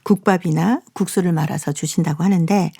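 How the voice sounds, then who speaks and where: Lady radio cohost, soft warm tone, close dry mic, casual chat. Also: on the low side, steady tone, fairly quick, gravelly, husky, no echo. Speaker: radio co-host. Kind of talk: casual studio chat, responding to letters.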